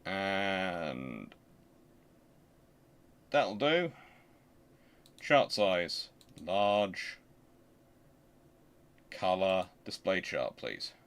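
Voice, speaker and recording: A man hosting a history channel, explaining informally and thinking aloud in a halting, conversational way. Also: low-pitched, very animated, fairly bright tone, smooth. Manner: conversational, halting, muttering to himself while working.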